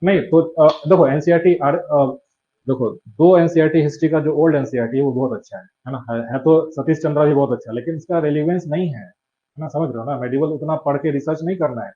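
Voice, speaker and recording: A man's voice: on the high side, a little fast, dark tone, muffled recording. A male teacher gives exam advice in a conversational coaching-class lecture and keeps checking in his students.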